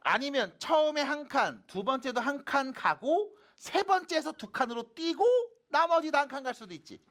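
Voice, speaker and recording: A male math teacher explains exam problems in a high-pitched, very lively voice that swings widely. He talks informally in short checking questions. His articulation is slightly thick and slurred, as from a temporary dental filling. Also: normal speed.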